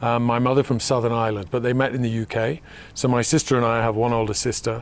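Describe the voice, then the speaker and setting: A man with a British accent talks at a very fast pace in a medium pitch, his intonation monotone and flat. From UK. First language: Spanish. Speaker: company CEO. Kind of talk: interview conversation. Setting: outdoors. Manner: repetitive false starts.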